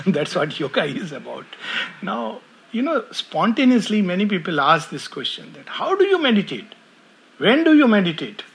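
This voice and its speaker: Guy giving a spiritual talk, bit high and husky, laughs a lot between stories. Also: a bit bright. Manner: chuckles often while storytelling. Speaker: spiritual speaker.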